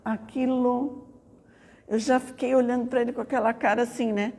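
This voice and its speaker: A woman's voice: on the high side, little pitch movement, moderate pace, warm tone, long reverb tail, a little hiss or hum. A middle-aged woman giving an informal spiritual talk at a study center. She tells personal stories in a chatty way and keeps tagging phrases with a questioning "né?". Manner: conversational, often tags phrases with "né?". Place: spiritist center meeting hall.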